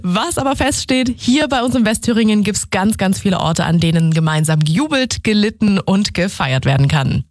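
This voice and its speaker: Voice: medium pitch, animated, normal speed, no echo. A radio presenter hosting a regional news show, chatty and upbeat, talking straight to the listeners from the studio. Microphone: studio microphone.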